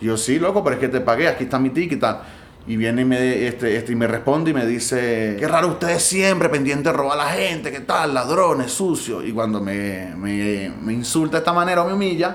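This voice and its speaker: A man with a Venezuelan accent talks at a fairly quick pace with lively intonation and hardly any pauses. Audible room echo and noticeable background noise are present. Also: medium pitch for a man. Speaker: migrant. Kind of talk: interview. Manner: animated.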